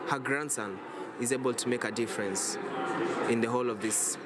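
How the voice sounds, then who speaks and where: A man's voice: medium pitch, moderate pace. A young man from Kenya, a student climate activist, speaking earnestly in a street interview. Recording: loud noise behind, outdoors.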